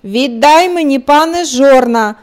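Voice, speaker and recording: A woman doing a stubborn shouting rooster. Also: medium pitch, expressive, unhurried, lightly acted. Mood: demanding. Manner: shouting demands, insistent. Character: small bold stubborn male rooster.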